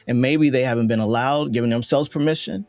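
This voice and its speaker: Male interview host, medium pitch, earnest and affirming, recorded close and dry. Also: fairly quick, darkish tone, no room sound, soft background music. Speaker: interview host, audio dramatist. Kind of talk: reflective interview conversation.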